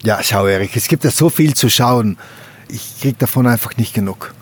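A man from a mountain valley in South Tyrol, speaking outdoors in a slow, reflective way and often pausing to search for words. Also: mid-range voice. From Gröden valley, South Tyrol, Italy. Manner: slow, thoughtful, searching for words with frequent hesitations. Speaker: interviewee. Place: outdoors on a mountain slope by a wooden hut.

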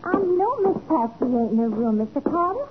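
A folksy chatty maid. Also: female voice, high-pitched, very animated, fairly quick. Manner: folksy, talkative, stammers when flustered. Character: chatty talkative female hotel maid. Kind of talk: 1940s radio acting. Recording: tinny old radio broadcast with hiss.

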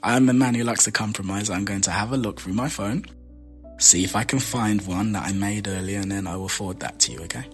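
A man's voice: on the low side, fairly quick, soft background music. A man with a Jamaican accent hosting a podcast, bantering in a playful, teasing way. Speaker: podcast host. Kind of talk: casual flirty banter.

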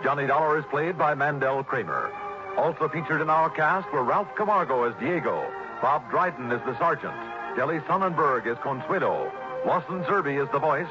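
Lively 1960s radio announcer man. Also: a little high, moderate pace. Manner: smooth, animated announcer delivery. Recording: dull old radio recording with music.

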